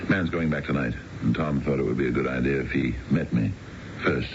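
An actor playing a wealthy, unfaithful middle-aged businessman in a radio drama, smooth and self-assured but halting, with a genteel, gravelly delivery. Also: very deep voice. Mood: evasive, casual. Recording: muffled, noisy old radio broadcast.

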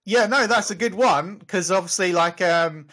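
A man's voice: sits high, moderate pace, bright, forceful tone. A man, co-hosting a podcast and running a quiz in an upbeat, chatty way that breaks easily into laughter. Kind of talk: casual chat.

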